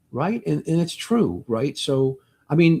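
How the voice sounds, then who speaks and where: A somewhat breathy man's voice, fairly high in pitch, with very wide pitch swings and a dark, mellow tone. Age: 60s. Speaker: physician presenting on testosterone therapy. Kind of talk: live presentation. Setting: livestream. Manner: casual, repetitive with false starts.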